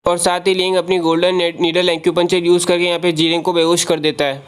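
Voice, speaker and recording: A man's voice: high voice, flat delivery, fast talker, clean tone. A man narrating an anime plot recap in a casual, rambling way, packed with filler phrases and English words.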